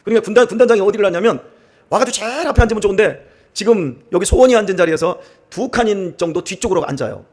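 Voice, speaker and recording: A man's voice: sits high, quick pace. A middle-aged man from central Korea, a pastor giving a sermon in a church, telling stories with humor and acting out the way other people talk. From Chungcheong region, Korea. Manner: animated, acts out dialects and laughs while telling stories. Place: church sanctuary.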